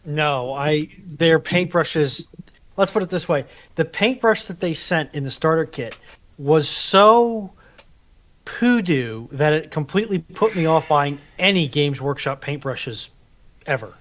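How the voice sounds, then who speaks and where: A man's voice: a little high, lively intonation, unhurried, a bit bright. A man co-hosting a casual live chat and reading out audience questions, with slight noise on the recording.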